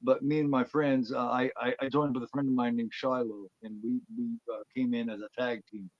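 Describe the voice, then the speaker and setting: Male interview guest, quick rambling storyteller, animated, stumbles over words. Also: medium pitch, no room sound, dull audio. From Indiana, US. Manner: rambling, animated, repeats words when excited. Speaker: interview guest, former wrestler. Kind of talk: casual storytelling.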